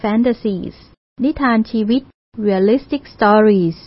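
A woman's voice: mid-range voice, very slow, dry recording. A woman from Thailand presenting an educational community radio talk, speaking politely with frequent particles and English terms mixed in. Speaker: university learning centre presenter. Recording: dull lo-fi radio recording.

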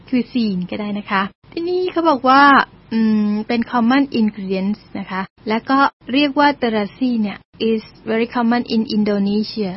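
A woman hosting a radio English lesson, speaking politely and patiently and spelling words out one letter at a time. Her voice sits a little high and sounds slightly breathy. The recording is dull and lo-fi, like an old radio broadcast. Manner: polite, ends phrases with soft particles, spells words letter by letter.

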